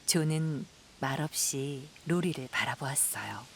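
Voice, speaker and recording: A woman's voice: very deep voice, expressive, measured pace, gravelly, a little hiss or hum. A woman narrating an audio drama from a script as a storyteller.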